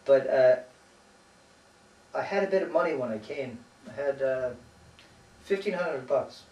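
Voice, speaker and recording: A man's voice: mid-range voice, expressive, unhurried, a little mellow, dull audio. An American man in casual conversation about his life, hesitant and rambling, often trailing off and swearing casually. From United States. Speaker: interviewee. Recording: roomy echo, distant mic, faint noise.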